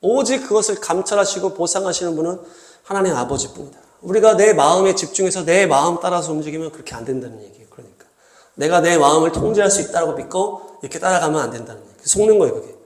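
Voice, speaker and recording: A man's voice: sits high, lively intonation, quick pace, echoey room. A man preaching a sermon as pastor, earnest and at times acting out the voices he quotes. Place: church hall.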